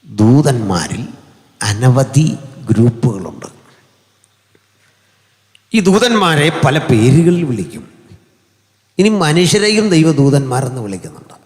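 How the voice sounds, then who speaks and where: Male Malayali pastor, mid-range voice, preaching through a mic in a big echoing hall, jokey and conversational, sudden high climbs. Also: sing-song, slow, pauses often. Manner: humorous, conversational preaching with sudden rises in pitch. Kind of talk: sermon. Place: large hall. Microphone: hand or stand mic through an amplifier. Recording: long hall reverb.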